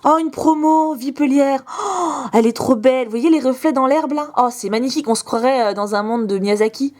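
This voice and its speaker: Gushing young woman with a higher voice. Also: a little mellow. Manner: gushing, exclamatory, quick asides. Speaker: vlogger opening fan mail. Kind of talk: casual unboxing chat.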